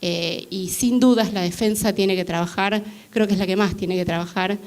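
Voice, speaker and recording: A woman's voice: medium pitch, fairly even intonation, moderate pace, darkish tone. A woman giving a comment from the audience at a law panel, hesitant and full of filler sounds. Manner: hesitant, many filler "eh"s and restarts. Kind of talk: public Q&A comment. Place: university lecture hall.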